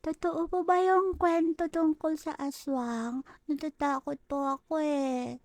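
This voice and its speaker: A woman's voice: high voice, fairly even intonation, measured pace, a little mellow, dry recording. A woman voicing a small frightened grandchild who pleads in a whiny voice. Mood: scared.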